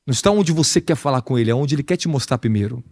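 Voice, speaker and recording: A medium-pitched man preaches as an apostle at a very fast clip. His Brazilian Portuguese-accented sermon is animated and chatty, packed with rhetorical questions.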